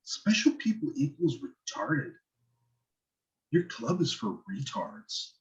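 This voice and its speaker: A man's voice: mid-range voice, big pitch swings, slow pace. A man playing a casual, dismissive teenage boy from a garage band in a script table read. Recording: dull, lo-fi online call audio.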